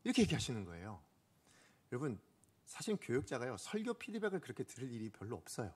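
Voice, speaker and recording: A man's voice: mid-range voice, quick pace, breathy edge. A male pastor preaching a sermon, telling a story from his own ministry, asking the congregation questions and acting out what people said. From Korea. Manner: animated, asks the congregation questions; acts out quoted speech.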